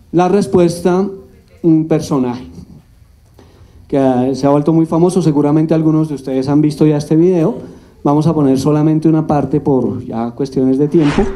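A man's voice: fairly high pitch, moderate pace. A male professor lecturing students in a large hall with a handheld microphone, putting questions to the audience. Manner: lively, asks the audience questions.

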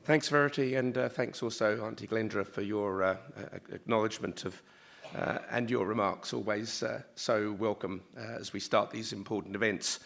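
A middle-aged man, a university leader, gives a formal welcome speech at a lectern in a large auditorium, his voice slightly croaky and his delivery halting with many ums and uhs. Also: lowish voice, fairly bright tone, slight background noise. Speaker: university vice-chancellor. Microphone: lectern microphone.

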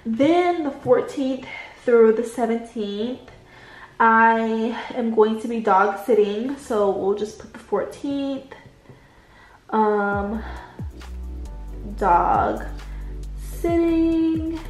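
A woman with a stuffed-up, congested voice talks her viewers through a planner in a slow, unhurried way, calling them y'all. The room echoes around her, and faint music plays underneath. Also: a little high. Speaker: budget planning vlogger. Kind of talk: casual chat while writing in a planner. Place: indoors at a desk at home, late at night.

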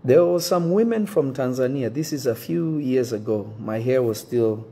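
A man in his thirties, a native French speaker talking in English, addressing his congregation to camera from an indoor room, earnest and measured, often restarting to choose his words. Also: mid-range voice, lively intonation, dark tone, breathy edge. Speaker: pastor. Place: indoor room with wooden shelves.

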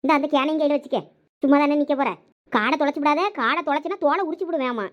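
Woman, Thoothukudi Tamil accent, very fast, high voice, bossy, comedy skit. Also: highs cut off. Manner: bossy, scolding.

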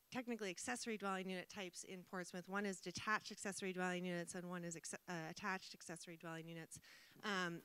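Woman, 40s, city planner; bright and smooth voice, informative, lots of ums. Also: medium pitch, dry recording. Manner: informative, many "um" pauses. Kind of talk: public talk explaining zoning rules. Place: event hall with audience, indoors. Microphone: handheld mic.

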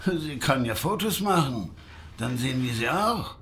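A man's voice: medium pitch, lively intonation, a little slow, a bit bright, faint music behind. A man playing a grumbling elderly husband and grandfather in an audio drama. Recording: clear background ambience noise.

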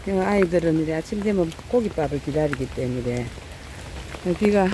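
The voice sits low, with lively intonation and a normal pace. A middle-aged woman who vlogs about feeding cats chats casually outside in heavy rain, scattering fillers and fondly calling to the strays in a raised, coaxing voice, while light rain is heard falling.

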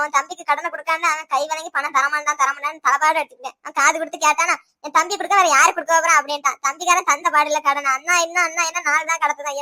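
A woman voicing a wealthy, blunt sister-in-law who lectures about a debt, speaking with a Tirunelveli Tamil accent in an animated cartoon. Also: very high-pitched. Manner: lecturing, blunt, money-minded. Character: rich, scolding older sister-in-law.

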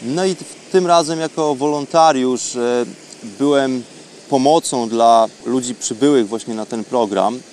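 Man's halting spoken diary, faint background noise. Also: medium pitch, a little mellow. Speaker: radio programme host. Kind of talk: unscripted spoken travel diary monologue.

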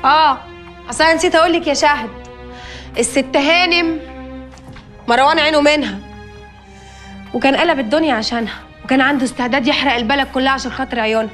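An actress playing a sharp-tongued young woman who taunts her relatives sarcastically with an Egyptian accent. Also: sits high, fast, pauses often. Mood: taunting. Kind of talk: TV drama acting. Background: music.

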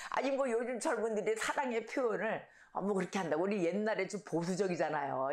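A middle-aged woman pastor preaching a sermon, telling stories and acting out shouted quotes. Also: on the low side. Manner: storytelling, animated, acts out shouted quotes. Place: church sanctuary. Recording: echoey church hall.

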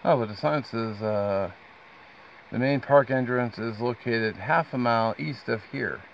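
A man with a creaky voice chatting casually and off the cuff as he vlogs outdoors on a trail, with dry asides. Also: mid-range voice, measured pace. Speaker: hiking vlogger. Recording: dull lo-fi outdoor sound, steady noise.

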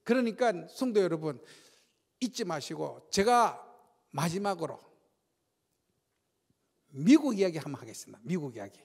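An older man giving a lively sermon testimony in a church, telling stories with shouts and sound effects. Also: a little high, moderate pace, creaky, long pauses, breathy edge. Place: church sanctuary. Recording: long church-hall reverb.

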